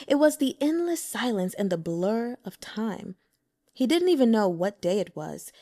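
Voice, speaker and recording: Woman reading a novel aloud, very lively pitch, measured and expressive. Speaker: audiobook narrator. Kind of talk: fan audiobook narration of a translated novel.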